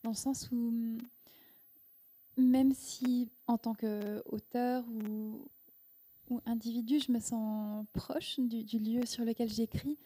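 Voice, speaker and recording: A woman in her thirties whose first language is Korean, answering interview questions at a live event into a handheld mic, thoughtful and halting with frequent restarts. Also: on the high side, steady tone, dark tone. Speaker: guest author. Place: indoor event room with audience. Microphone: handheld microphone.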